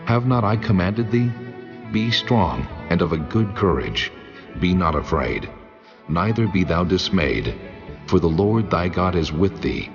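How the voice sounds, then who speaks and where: Divine voice, male actor: solemn, commanding, very unhurried, in long cathedral-like reverb for scripture drama. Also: low-pitched, expressive. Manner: slow, solemn, declamatory. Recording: dull, long hall reverb. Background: faint music.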